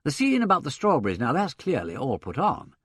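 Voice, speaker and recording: A man doing a cultured, thoughtful gentleman. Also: a little high, wildly swooping pitch, fairly quick, breathy edge, no echo, clean studio sound, voice pushed up, heavily acted.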